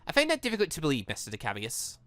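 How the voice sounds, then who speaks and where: A man voicing a calm, shrewd, formal academy headmaster in a visual novel, speaking in a measured, deliberate way. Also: a little high, clean tone, no echo. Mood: probing, formal. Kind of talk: visual novel character reading.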